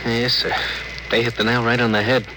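An actor playing an earnest, soft-hearted spaceship officer who speaks with deference in a 1950s radio drama. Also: male voice, mid-range voice, flat delivery, a little fast, close to an everyday voice. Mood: deferential. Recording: hissy old radio broadcast.

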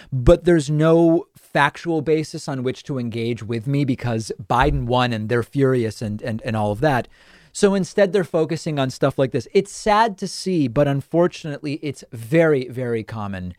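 A man hosting a political talk show, delivering brisk and sarcastic commentary in a mid-range voice. He is close to a studio microphone, and the sound is dry with almost no room echo. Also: medium pitch. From northern United States.

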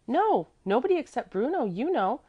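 A small, trusting girl from a children's storybook, acted by a woman reading aloud. Her voice sits high and swings freely up and down. She chatters in an artless, eager way, afraid of very little. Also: big pitch swings, normal speed, husky, lo-fi sound, full character voice. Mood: eager, chatty.

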